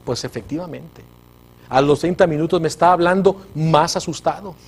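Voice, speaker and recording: A Mexican man hosts a Catholic TV show and tells a religious testimony in an earnest, preacherly way. His voice sits a bit high and has a husky edge. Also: normal speed. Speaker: host of a Catholic TV program.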